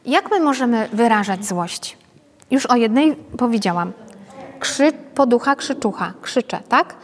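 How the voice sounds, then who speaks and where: With a fairly high, expressive voice and a measured pace, a female pedagogue gives a casual talk at a parenting workshop. She chats with the group and keeps checking in through tag questions. The recording carries long reverb from a hall.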